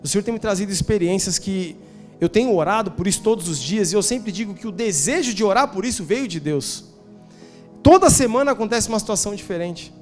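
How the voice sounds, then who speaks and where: High-voiced Brazilian pastor preaching. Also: male voice, animated, brisk, soft background music. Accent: Brazilian Portuguese. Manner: conversational storytelling with rhetorical questions, slangy asides. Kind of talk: sermon. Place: church.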